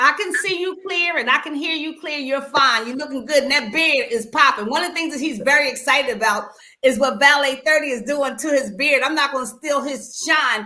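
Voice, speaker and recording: A high-pitched woman talks in a raised, projected voice with an animated tone, ordinary pitch variation, a fairly quick pace and hardly any pauses. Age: 50s. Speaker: business mentor hosting a livestream segment. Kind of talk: livestream interview.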